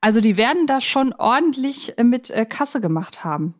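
A woman's voice: fairly high pitch, sing-song, normal speed. Chatty female podcast co-host. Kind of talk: casual film discussion.

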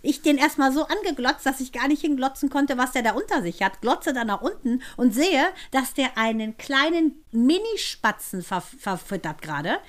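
A woman's voice: high voice, normal speed, hardly any pauses. A middle-aged woman co-hosting a podcast, telling anecdotes in casual chat and laughing as she talks. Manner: lively storyteller, laughs while talking. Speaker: podcast co-host.

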